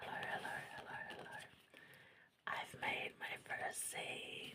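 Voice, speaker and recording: Someone is whispering at a very slow pace. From New Zealand. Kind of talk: ASMR craft video, casual talk to camera. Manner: whispered.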